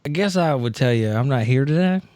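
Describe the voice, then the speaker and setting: A man's voice: medium pitch, lively intonation, darkish tone, no echo, close to an everyday voice. A man playing a sheepish, hapless but determined schemer in a tabletop roleplay, rambling and interrupting himself. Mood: proud, resolute. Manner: halting, rambling, self-interrupting.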